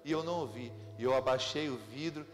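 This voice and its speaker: A man with a Brazilian accent, preaching a sermon as pastor, telling stories in a lively way with laughter. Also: mid-range voice, brisk, long reverb tail. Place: church sanctuary.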